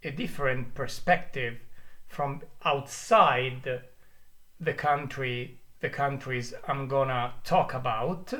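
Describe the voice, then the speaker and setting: A man's very slow, bright, sharp voice in an Italian accent, at a medium pitch with ordinary pitch variation and audible room echo. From Italy. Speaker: former police officer and YouTuber. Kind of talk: casual vlog monologue. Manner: halting, many fillers.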